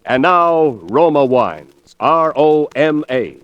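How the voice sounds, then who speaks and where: A man reading the sponsor's commercial on a 1940s radio broadcast in a smooth, persuasive delivery. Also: fairly high pitch, sing-song, slow pace, no room sound. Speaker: sponsor announcer. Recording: dry, dull old radio broadcast.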